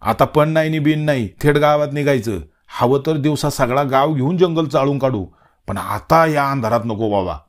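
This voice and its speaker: A man's voice: mid-range voice, moderate pace, voice pushed up, natural voice. A man voicing a cautious village man with a rural Marathi dialect, firmly insisting they turn back. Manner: insistent, firm.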